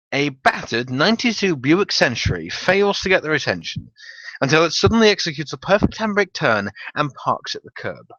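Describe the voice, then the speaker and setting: A man's voice: medium pitch, sharp tone, no echo, muffled recording. A man giving a dramatic reading of a comic tabletop-game story, with theatrical, wry emphasis. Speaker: narrator.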